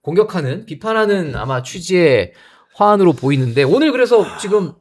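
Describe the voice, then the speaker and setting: A man hosts a political talk show with a high, very animated voice. He drives the conversation with quick interjections and light teasing of his guests. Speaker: host.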